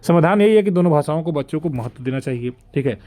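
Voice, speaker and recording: A man's voice: a little high, animated, fast talker, mellow. A young man giving an online lecture on language teaching, explaining step by step with frequent check-in fillers. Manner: explanatory, frequent "dekhiye" and "theek hai" fillers.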